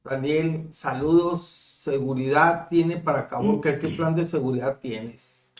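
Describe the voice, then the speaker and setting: A man's voice: a little high, unhurried. An older man with a northern Mexican accent, hosting a casual interview and reading out audience comments. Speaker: interview show host. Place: small cluttered indoor room, seated at a table. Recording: roomy echo, slightly dull sound.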